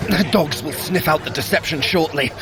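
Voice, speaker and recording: An actor playing a sly, vain trickster god in an audio drama, sardonic and theatrical, sharp-tongued with a fretful edge. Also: male voice, a little high, moderate pace, music in the background, lightly acted. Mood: wry, scheming. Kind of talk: audio drama acting, addressing the listener.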